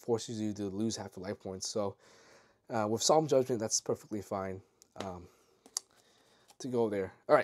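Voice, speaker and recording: Male speech on a very clean recording, the background silent. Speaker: card game content creator. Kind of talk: deck tech tutorial. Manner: casual, many filler words; stumbling over words.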